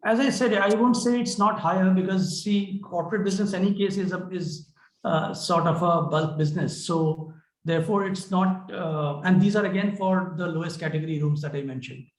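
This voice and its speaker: A man with an Indian accent answering questions as a company executive on an earnings call, explaining in a measured, hesitant way. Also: high voice. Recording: roomy, echoing conference call.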